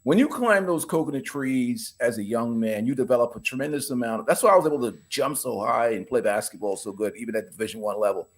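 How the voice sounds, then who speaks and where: A man's voice: medium pitch, fast talker, few pauses. A man from the Bahamas, a podcast guest talking in an emphatic, opinionated, casual way. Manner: emphatic, animated, laughs while talking.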